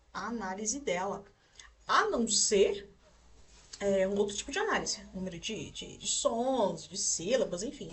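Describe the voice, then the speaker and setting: A woman's voice: mid-range voice, a bit bright, distant mic. Brazilian woman teaching a grammar lesson. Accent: Brazilian Portuguese. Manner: explains step by step, checks in with "certo?" and "tá?". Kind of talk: recorded online grammar lesson.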